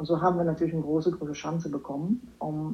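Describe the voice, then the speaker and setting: This is a woman's voice. She speaks with a Dutch accent. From Netherlands, Amsterdam. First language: Dutch (speaking German). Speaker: managing director of a patient organization. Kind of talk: interview. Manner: halting.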